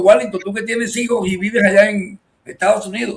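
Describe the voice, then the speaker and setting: A man is speaking. His pace is fairly quick. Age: 60s. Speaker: radio talk show host. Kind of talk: panel discussion.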